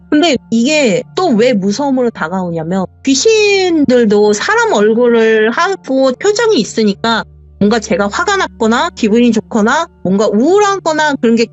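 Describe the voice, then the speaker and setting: A woman with a fairly high, lively voice tells her own ghost story in an interview, acting out each exchange as she goes. The sound is dull and muffled, and soft music plays faintly underneath. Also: no room sound. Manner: vivid, acts out the dialogue.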